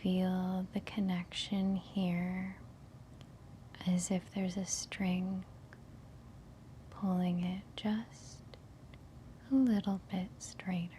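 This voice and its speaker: Woman, meditation guide. Hushed whisper, very even delivery, unhurried and soothing, faint ambient noise behind. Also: fairly low pitch. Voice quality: soft, breathy whisper. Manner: gentle, unhurried, soothing instruction with long pauses.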